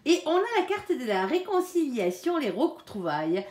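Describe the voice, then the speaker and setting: A chatty woman reads tarot cards aloud in a lively, fairly high voice that swoops up and down. She fills her talk with small interjections and softly asks her guardian angel for guidance. The sound is roomy, with a clear echo. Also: moderate pace. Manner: chatty, peppers speech with "hein" and "alors". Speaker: tarot card reader. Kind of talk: casual spoken tarot reading to viewers. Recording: echoey room.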